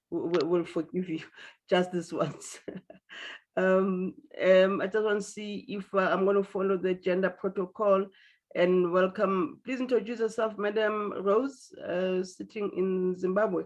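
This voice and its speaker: A woman's voice: fairly low pitch, steady tone, unhurried, darkish tone. A woman hosting an online meeting, chatty and apologetic, teasing speakers and stumbling over restarts. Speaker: meeting host. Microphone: video call. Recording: dull lo-fi call audio.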